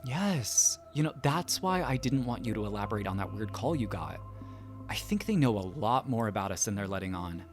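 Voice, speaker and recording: A man's voice: on the low side, big pitch swings, a little fast, faint music behind. A young man playing a distrustful, blunt twenty-something in an audio drama, with a defensive manner. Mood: suspicious, defensive.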